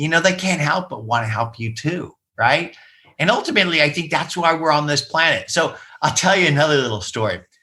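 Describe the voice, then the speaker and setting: A man with a plain, everyday voice talks fairly quickly at a fairly high pitch. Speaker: entrepreneur and company CEO. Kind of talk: interview.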